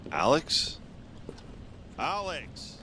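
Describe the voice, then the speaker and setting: A man's voice: a little high, huge pitch swings, extremely slow, noisy background, full character voice. A man playing a middle-aged, work-absorbed father, earnest and placating as he pleads in an audio drama. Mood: exasperated.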